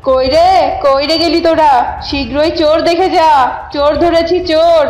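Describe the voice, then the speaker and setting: A woman's voice: high voice, fairly even intonation, moderate pace, a little mellow, close to an everyday voice, poor audio. A woman voicing an indignant, scolding tigress in a cartoon, delivered dramatically. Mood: angry, triumphant. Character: indignant tigress guarding her chickens. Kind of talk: cartoon character voice.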